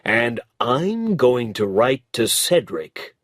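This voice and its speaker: A man voicing a steady middle-aged male grocer in a storybook reading, earnest and deliberate. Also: mid-range voice, no room sound, clean studio sound.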